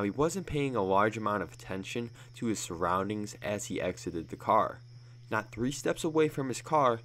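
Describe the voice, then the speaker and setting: Low-voiced man narrating a story. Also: a bit bright.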